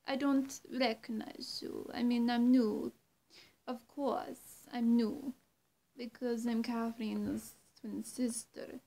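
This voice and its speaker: Woman playing a high-voiced, coy female vampire. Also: creaky, darkish tone, heavily acted. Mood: coy, welcoming. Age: young adult. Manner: coy, halting, cooing endearments. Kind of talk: ASMR-style roleplay addressed to the viewer. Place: small indoor room, seated on a bed. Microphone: camera or phone at arm's length.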